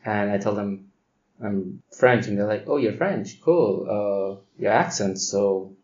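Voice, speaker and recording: A man who grew up in Pakistan, a podcast guest, answering in a hesitant, soft-spoken way. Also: fairly low pitch, slow pace. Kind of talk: casual interview answer. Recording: roomy, lo-fi recording.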